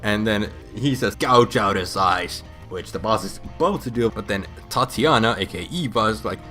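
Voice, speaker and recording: A low, bright-edged male voice tells a story casually and crudely, as if drunk. He rambles, repeats himself and trails off mid-thought, with faint music behind him. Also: lively intonation, brisk. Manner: crude, heavy swearing. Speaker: storyteller recapping a video game plot. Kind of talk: comic, casual retelling with acted-out quotes.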